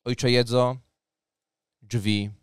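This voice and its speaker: A man's voice: medium pitch, little pitch movement, very slow, clean tone, no echo, studio quality. A man working as game master, narrating a tabletop roleplaying game in a dramatic storytelling manner. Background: music.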